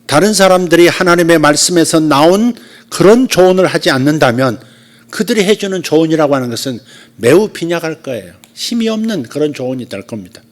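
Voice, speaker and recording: His voice a little high, a man who serves as pastor tells stories in a chatty sermon at church, moving back and forth between loud and soft delivery.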